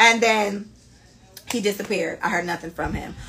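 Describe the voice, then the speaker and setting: An animated woman at a moderate pace amid noticeable background noise. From Jamaica. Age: 30s. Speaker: podcast host. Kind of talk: casual chat. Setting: home.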